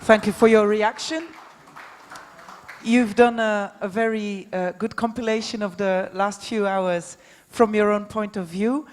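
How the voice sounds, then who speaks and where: A woman's voice: mid-range voice, fairly even intonation, measured pace. Woman moderating in a reverberant hall. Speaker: debate moderator. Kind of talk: spontaneous live moderating. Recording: echoey hall, long reverb.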